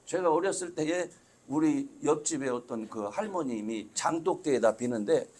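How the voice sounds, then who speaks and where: A middle-aged man preaching a sermon as pastor, talking to the congregation in a conversational way that swells suddenly loud for emphasis and drops to soft asides. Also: fairly high pitch, animated, moderate pace. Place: church sanctuary.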